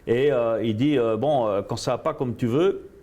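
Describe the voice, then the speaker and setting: A man, a guest coach telling his story in an interview, animated and repetitive, slipping in English phrases. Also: mid-range voice, normal speed. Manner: animated, repeats himself, drops English phrases.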